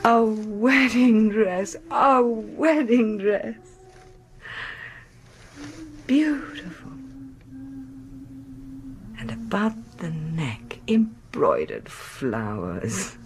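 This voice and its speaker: An actress playing a curious, persistent, genteel mistress of a house in a radio drama, questioning and dramatic in manner. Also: female voice, medium pitch, very animated, drawn-out words, background noise, exaggerated voice. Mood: wondering, hushed.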